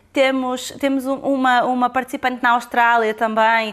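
This woman has a high-pitched voice. She speaks in a monotone, flat intonation. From Portugal. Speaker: website co-founder. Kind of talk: interview. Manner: halting.

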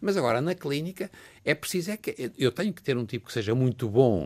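The recording is very clean with a silent background. A man speaks at a fairly quick pace, his pitch swinging very widely. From Portugal, Porto. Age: 70s. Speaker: pathologist and professor. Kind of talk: radio interview. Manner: halting.

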